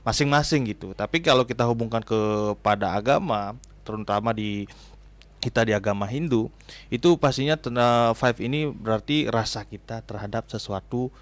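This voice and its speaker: A man's voice: mid-range voice, moderate pace, no echo. A man in his twenties, a Hindu religious counselor, explaining things as a radio guest with frequent fillers. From Bali, Indonesia. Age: 20s. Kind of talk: casual radio interview.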